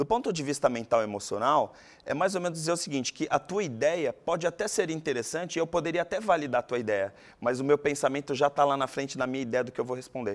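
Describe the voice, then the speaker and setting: The speech is very fast, with lively intonation. The recording is very clean against a silent background. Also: man, fairly high pitch for a man. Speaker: professor and speaker. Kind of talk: TV interview.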